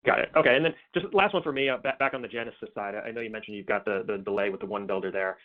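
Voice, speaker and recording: A man calls in as a financial analyst over a thin phone line. His voice sits fairly low and he talks fast, circling through wordy, hesitant questions in a polite business register. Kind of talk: earnings call questioning.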